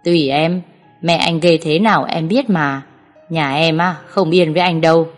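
A woman reading a story aloud, voicing a calculating young man who speaks in a flat, dismissive, quiet way. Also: deep voice, normal speed, soft background music, natural voice. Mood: cold dismissive.

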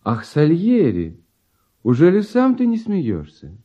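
A carefree, playful composer in an old radio drama. His delivery is theatrical and very lively in pitch, yet takes its time. The recording is dull, with faint music behind him. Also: slow pace, full character voice. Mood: light, friendly. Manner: animated, light-hearted, expressive stage delivery. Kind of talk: theatrical radio play acting in verse.

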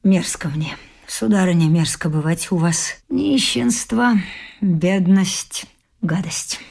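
A woman's voice: fairly low pitch, takes it slowly, vocal fry, a little mellow, full character voice. An actress in a radio play voicing a domineering, grasping middle-aged mother-in-law who scolds emphatically and haughtily. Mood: disgusted. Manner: scolding, emphatic nagging with whispered scorn. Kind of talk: theatrical radio drama acting.

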